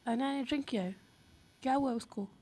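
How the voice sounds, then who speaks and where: Woman doing strict professor lady, firm and clipped, mellow husky tone. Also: high-pitched, fairly quick. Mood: stern. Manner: stern, clipped commands.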